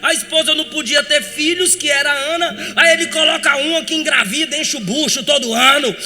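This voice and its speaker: Fervent elderly Brazilian pastor shouting a sermon. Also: male voice, very high voice, big-room sound. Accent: Brazilian Portuguese. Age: 80s. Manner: fervent, often shouting, drawn-out emphatic phrases. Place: large church.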